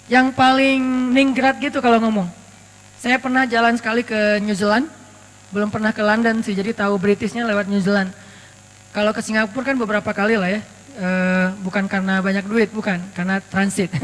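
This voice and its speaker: A man from Aceh giving a casual, lively sermon, telling stories with humor and quoting Arabic verses. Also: very high-pitched. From Aceh, Indonesia. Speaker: preacher. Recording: long reverb with mains hum.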